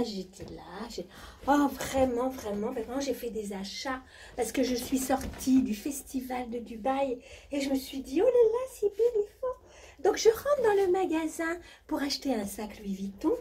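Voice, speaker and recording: A woman voicing a posh, rich female jet-setter who talks in a high, breathless, gushing way. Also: sing-song, measured pace, mellow, slight background noise.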